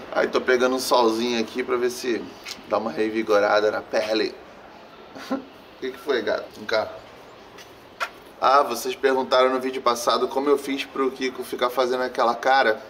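A man's voice: mid-range voice, little pitch movement, normal speed, pauses often, fairly bright tone, slight background noise. Young guy w/ a sore throat vlogging outside, slangy casual talk, phone mic a little far off. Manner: slangy, talks straight to camera. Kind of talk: casual vlog chat. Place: outdoors against a sunny wall.

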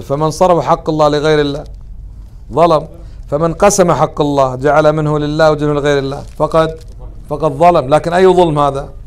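A man, a sheikh teaching a religious lesson who keeps putting questions to his listeners and mixes colloquial words into formal speech. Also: a little high. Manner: questions the audience often, then answers himself.

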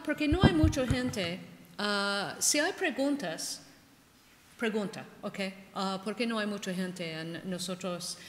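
An older woman whose first language is English, giving an academic lecture in halting speech with frequent "ah" and "ok". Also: medium pitch, a little hiss or hum. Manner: halting, frequent "ah" and "ok", gestures widely. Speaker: linguist giving a conference talk. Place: large ornate conference hall. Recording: echoey hall with long reverb.

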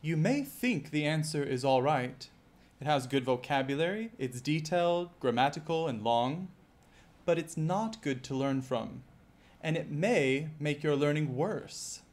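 A male IELTS teacher giving a scripted lesson, speaking clearly and measuredly and putting rhetorical questions to the viewer. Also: on the high side, animated, a little slow.

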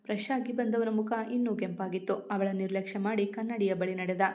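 Woman narrating a story in a flat voice. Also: mid-range voice, a little fast, lo-fi sound. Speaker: storyteller reading her own stories.

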